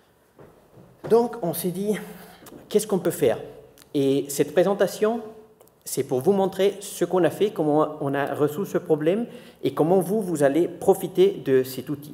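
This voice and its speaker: A man with a non-native accent speaks at a very slow pace, his pitch high for a man. His loudness swings widely while his pitch varies in an ordinary way. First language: not French (speaking French). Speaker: software developer presenting at a conference. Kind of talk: conference talk. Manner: halting.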